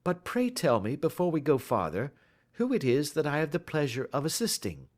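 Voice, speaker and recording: Man doing a calm gentleman detective, bland, self-assured, lively intonation, storybook character. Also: a little high, normal speed, pitched above the performer's own voice.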